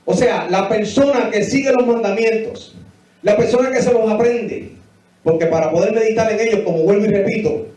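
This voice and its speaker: A man in his forties preaches a Bible lesson in a high voice, driving home his points by repeating them and putting questions to the congregation. He sounds distant from the microphone, and his voice rings through a very echoey church hall. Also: normal speed, mellow. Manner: emphatic, repetitive, asks the congregation questions. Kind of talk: Bible teaching sermon. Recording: echoey hall, voice picked up from afar.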